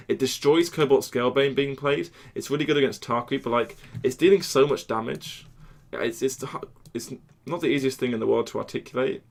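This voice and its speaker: A man streaming a card game, talking casually to chat, often restarting and trailing off into quiet mutters. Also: medium pitch.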